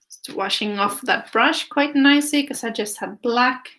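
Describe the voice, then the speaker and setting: A woman's voice: a little high, normal speed, fairly bright tone. A woman, teaching a casual live painting class, thinking aloud in short phrases as she works and chatting with viewers. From Finland. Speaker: art teacher.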